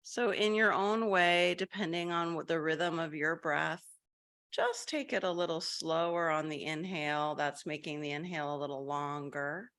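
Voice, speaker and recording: A woman guiding a group meditation, her low voice carrying a crisp, bright edge. She drifts gently from thought to thought, with soft fillers and restarts. She sounds like she is on a video call. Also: moderate pace. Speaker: meditation guide.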